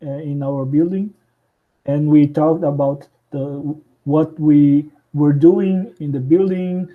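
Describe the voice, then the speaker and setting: Male podcast guest, Brazilian accent, Portuguese native, unhurried and searching for words, tinny call audio. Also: on the high side, fairly even intonation. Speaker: podcast guest, house builder. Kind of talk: casual interview conversation. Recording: thin phone-like call audio.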